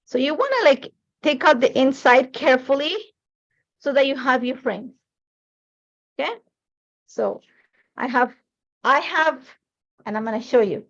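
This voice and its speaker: A woman with a high voice hosts a live craft tutorial. She is a native Spanish speaker and talks in an informal, chatty, meandering way. The livestream sound is somewhat dull and muffled. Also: animated, a little slow, long pauses, fairly bright tone.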